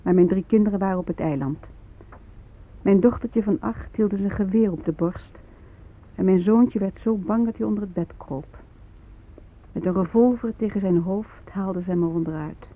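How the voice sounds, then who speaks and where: A woman's voice: medium pitch, moderate pace, phone-quality sound, close to an everyday voice. An actress playing an aggrieved Native American activist mother giving earnest, bitter testimony in a radio drama. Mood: grave, bitter.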